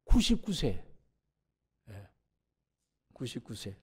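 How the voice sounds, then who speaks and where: A man preaching a sermon in a church, animated, who acts out biblical characters in dialogue and rises sharply in pitch and volume when stirred. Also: takes it slowly, breathy edge. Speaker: pastor. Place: church sanctuary.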